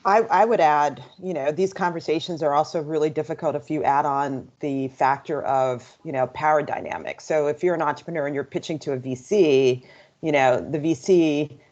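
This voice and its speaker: Woman panelist with a very low voice, measured and advisory, dull call audio. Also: darkish tone. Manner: measured, frequent "you know". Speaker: panelist, investor. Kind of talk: casual panel discussion. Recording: muffled lo-fi video call audio.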